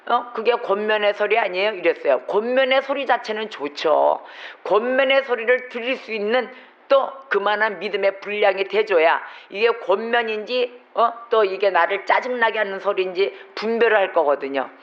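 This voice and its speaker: A pastor preaching a sermon with emphasis, throwing rhetorical questions at the congregation. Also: male voice, high-pitched, moderate pace, dull audio. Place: church sanctuary.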